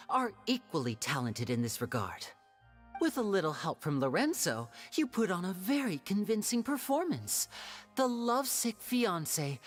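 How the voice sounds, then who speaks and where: A shrewd young magician from a video game, with a theatrical and wry delivery. The mid-pitched voice is measured yet lively in its swings, over light music. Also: female voice. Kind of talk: video game voice acting, dramatic storytelling.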